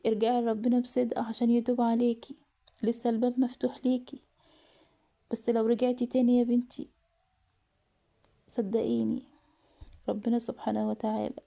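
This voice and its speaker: Woman voicing a devout Egyptian mother, pleading, moralizing, dark mellow tone, slightly high voice. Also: creaky. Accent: Egyptian Arabic. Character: worried devout middle-aged mother pleading.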